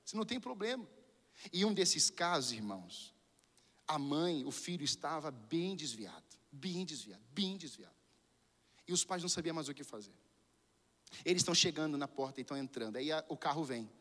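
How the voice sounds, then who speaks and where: Brazilian male pastor, high-pitched and bright, preaching in a reverberant church hall, swinging from hushed to fervent. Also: sing-song, fairly quick. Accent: Brazilian Portuguese. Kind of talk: sermon.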